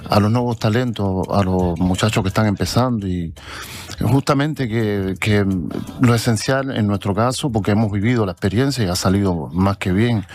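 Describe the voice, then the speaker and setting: A man's voice: lowish voice, a little mellow, a little hiss or hum. A Cuban man, a musician guest, explaining earnestly and at length in a casual interview. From Cuba.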